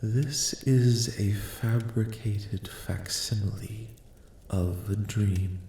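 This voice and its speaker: A man voicing a calm, courteous alien collective in a soft-spoken ASMR roleplay, speaking in slow, formal, reassuring phrases. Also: on the low side, vocal fry, slight background noise, full character voice. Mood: gently reassuring. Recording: echoing, reverberant voice.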